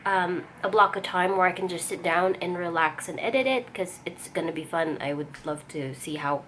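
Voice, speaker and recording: A young woman artist vlogger with a light Filipino accent and a lowish, slightly bright voice chats casually at a moderate pace while sorting her stock, thinking aloud as she works. She's in her home art studio, and the recording has noisy room ambience.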